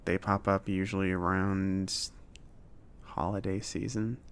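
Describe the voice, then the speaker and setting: A man playing a friendly, awkward mage who runs a potion shop, speaking softly and haltingly in a casual, chatty ASMR roleplay style. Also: deep voice, level tone, clear, resonant tone. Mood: friendly, hesitant. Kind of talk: soft-spoken ASMR roleplay.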